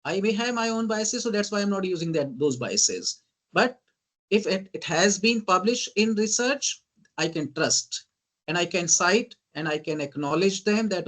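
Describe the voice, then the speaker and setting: A man with an Indian English accent gives an online teaching lecture in a fairly high voice. He rattles off lists of terms in emphatic bursts. He keeps checking in with "right?" and often says "ladies and gentlemen.". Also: lively intonation, moderate pace. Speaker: guest lecturer.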